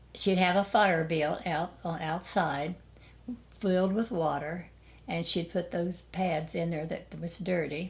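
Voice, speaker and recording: Speaking very slowly, a woman uses a fairly low pitch, fairly even intonation and vocal fry. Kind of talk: interview answer.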